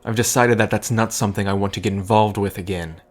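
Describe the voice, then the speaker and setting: Guarded, earnest, lower-voiced man played by an actor. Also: fairly even intonation, lightly acted. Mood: defensive, pained. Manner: earnest, halting, defensive. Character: guarded, worrying man, pragmatic, once heartbroken. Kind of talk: audio drama acting.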